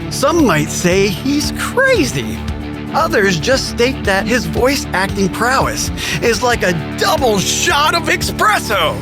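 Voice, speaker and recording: A man delivering a dramatic, exaggerated scripted introduction as a podcast announcer. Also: high voice. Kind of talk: theatrical scripted hype introduction. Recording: loud music bed behind voice. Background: music.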